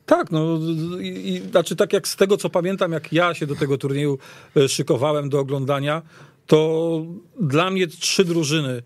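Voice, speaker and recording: A man giving conversational football analysis, haltingly, repeating words as he goes. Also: on the high side, no echo. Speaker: football pundit.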